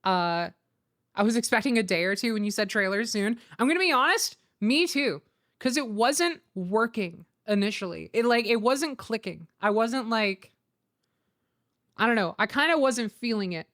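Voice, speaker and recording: A woman's voice: on the high side, expressive, moderate pace, fairly bright tone. A woman streamer chatting casually and informally to viewers, often thinking aloud, on a close mic. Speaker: streamer and host. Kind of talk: casual livestream chat.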